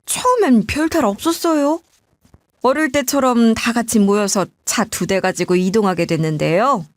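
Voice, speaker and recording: A woman's voice: mid-range voice, a little mellow, no echo, clean studio sound. A middle-aged woman narrating her own story in the first person, retelling it with indignant emotion.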